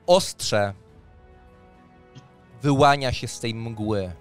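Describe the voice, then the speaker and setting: A man narrates a fantasy roleplaying session as its game master. He describes scenes in a dramatic storytelling way at medium pitch, speaking close to the microphone with music playing softly underneath. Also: drawn-out words. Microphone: close microphone on a boom arm, headset on.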